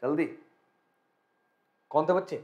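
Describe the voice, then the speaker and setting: Brief: young man, exam-prep teacher, slightly higher voice, punchy repetitive drilling, echoey studio. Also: muffled recording. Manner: energetic, repetitive, coaxing students to answer quickly. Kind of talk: live quiz lesson for students.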